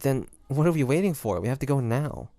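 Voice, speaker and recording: A man playing an earnest, guilt-ridden demon hunter in an audio roleplay, speaking gently and haltingly to the listener. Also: mid-range voice, expressive, no room sound, natural voice. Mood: urgent. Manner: hesitant, halting, soft-hearted delivery with pauses. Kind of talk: dramatic audio roleplay acting addressed to the listener.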